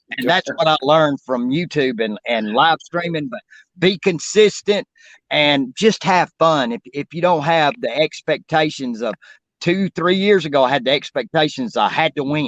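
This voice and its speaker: Recorded with a dry, close sound and no echo, a man with a plain, everyday voice speaks at a moderate pace in a fairly high pitch. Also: lively intonation. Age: 60s. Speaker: slot livestreamer. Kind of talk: livestream panel chat. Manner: casual, filler-heavy.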